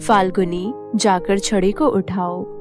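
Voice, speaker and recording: A woman's voice: medium pitch, fairly even intonation, slow pace, over music, voice pushed down, natural voice. A woman voicing a solemn, kindly queen mother of the fairies, earnest and stately, in a cartoon storybook. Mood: solemn, hopeful.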